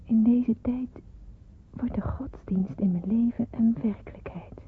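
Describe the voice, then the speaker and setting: An actress playing a devout, earnest young Jewish daughter in a radio drama, speaking in a solemn, measured, breathy way. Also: female voice, on the high side, slight background noise, close to an everyday voice. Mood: reflective, earnest. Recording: muffled, phone-like old radio play recording.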